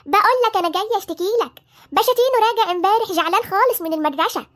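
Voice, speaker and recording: A woman voicing a nagging, sharp-tongued elderly grandmother who speaks with an Egyptian accent and a scolding, folksy manner in a cartoon. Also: extremely high pitch, lively intonation, rapid-fire, no room sound, studio quality. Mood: indignant. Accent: Egyptian Arabic.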